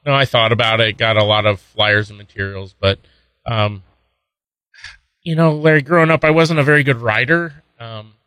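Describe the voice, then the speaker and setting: A man's voice: medium pitch, steady tone, normal speed, bright, forceful tone, no echo, low-quality recording. A man in his forties, a pastor and interview guest, answering thoughtfully and a little hesitantly. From San Francisco Bay Area, raised in Indiana. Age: 40s.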